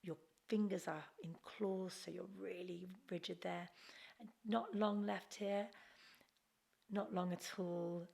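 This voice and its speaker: A woman yoga teacher leads a class in a lowish voice with a lot of vocal fry. She takes her time between phrases, guiding each step gently and with encouragement. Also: steady tone, slow pace. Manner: gentle, encouraging, unforced guidance. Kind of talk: guided Kundalini yoga class instruction.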